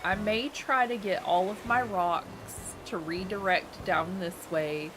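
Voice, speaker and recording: A woman chatting casually with her live-stream viewers as she plays, friendly and quick to laugh, her voice a little nasal from a cold. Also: medium pitch, rough recording. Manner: chatty, friendly, thanks chat often, laughs a lot. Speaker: game streamer. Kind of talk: casual live-stream chat while playing. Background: loud game music.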